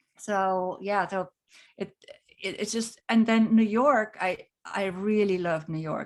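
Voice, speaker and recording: A woman speaks at a fairly slow pace with fairly even intonation, recorded very cleanly against a silent background. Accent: German. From Germany. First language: German. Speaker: interview guest. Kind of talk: interview.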